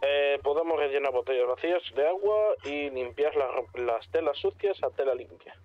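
A man's voice: a little high, moderate pace. A man chatting casually as he plays an online roleplay game with others. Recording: dull lo-fi game voice chat.

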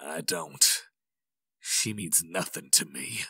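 A man playing a gruff, hot-tempered country character in an audio drama, with a Southern US accent and folksy speech. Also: very deep voice, slow, pushed and bright, dry recording, exaggerated voice. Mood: subdued.

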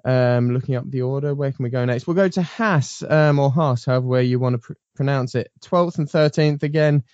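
A man's voice: mid-range voice, brisk, mellow, clear, resonant tone, dry recording, highs cut off. A man hosting a casual motorsport panel chat, rambling with frequent ums and restarts. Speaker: podcast host.

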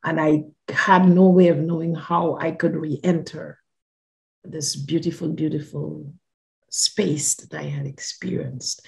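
An older woman, born and raised in Guyana, recounts her own experience for a podcast. She speaks from her living room over a video call in a lowish voice, pressing hard on key words and letting her phrases drift softly away. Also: little pitch movement, slow, creaky. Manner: earnest, emphatic, often trailing off softly. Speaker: podcast guest. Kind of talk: personal storytelling.

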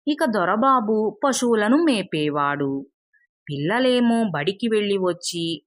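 A woman tells a moral folk tale at a very slow, measured pace. Her voice is pitched in an ordinary middle range. It sits dry and close to the mic with no room sound. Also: no echo. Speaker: storyteller. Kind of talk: scripted narration of a moral tale.

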